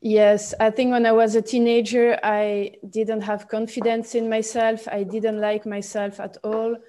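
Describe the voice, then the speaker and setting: Woman in her twenties, Swiss French accent, unhurried, flat intonation, halting with fillers. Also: on the high side. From Switzerland. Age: 20s. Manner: halting, many fillers and restarts. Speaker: guest. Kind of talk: podcast interview.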